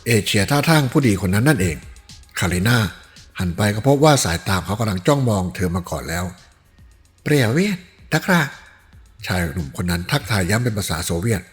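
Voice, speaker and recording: A man reading a novel aloud as an audiobook narrator, in an even, measured style. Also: lowish voice, faint music behind. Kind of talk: storytelling narration.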